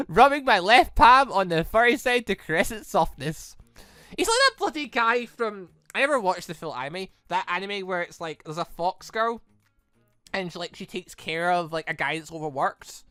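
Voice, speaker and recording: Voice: medium pitch, animated, normal speed, fairly bright tone, no echo. A chatty gaming host reading a visual novel aloud and commenting on it, stumbling over lines now and then.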